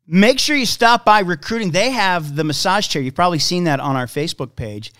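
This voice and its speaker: Smooth-voiced young male host. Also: high voice, animated, fairly quick, a bit bright, no echo, clean studio sound. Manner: friendly, informal, hesitant fillers. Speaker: podcast host, interviewer. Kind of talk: casual interview chat.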